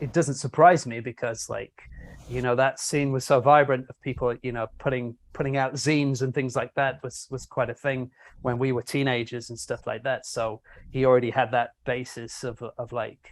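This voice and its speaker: A man with a Yorkshire accent and a medium pitch speaks at a moderate pace in monotone, flat intonation, the sound dry and close with no echo on a very clean recording with a silent background. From northern England, North Yorkshire. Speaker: horror author. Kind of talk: casual interview chat.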